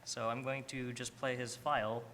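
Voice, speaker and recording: A man's voice: medium pitch, level tone, moderate pace, bright, forceful tone, big-room sound, a little hiss or hum. A man hosting a live session, organizing the next entry and apologizing for a mix-up. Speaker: session host presenting entries.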